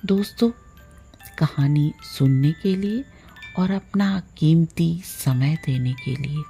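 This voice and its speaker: A woman narrating a literary short story aloud in measured, deliberate phrasing, in the manner of an audiobook. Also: low voice, animated, vocal fry, dark tone, soft background music.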